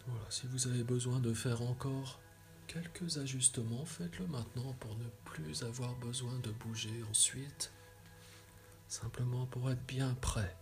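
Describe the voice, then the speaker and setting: A man leads a guided meditation at a very unhurried pace. His voice is soft and soothing, with breathy phrase endings and measured pauses between instructions. Faint music plays behind him. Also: medium pitch, fairly even intonation. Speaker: yoga nidra guide.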